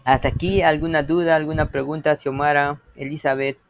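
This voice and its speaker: A man's voice: fairly high pitch, little pitch movement, fairly quick, dry recording, highs cut off. A man teaching an interactive language lesson, patiently explaining and often checking that students follow.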